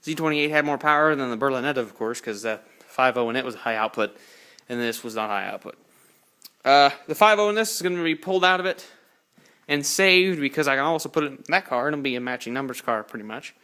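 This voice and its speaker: This eighteen-year-old hobbyist talks fast and expressively, in a medium-pitched voice that's bright, forceful, clear and resonant. He casually shows off his car project in a home garage, recording on a handheld phone and rambling with frequent self-corrections in plain speech.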